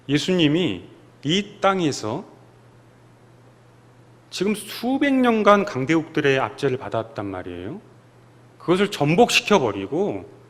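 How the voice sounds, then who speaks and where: A man preaching a sermon in a long-reverb church hall, his fairly high voice swinging widely up and down. He delivers it with emphasis and acts out the lines he quotes. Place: church sanctuary.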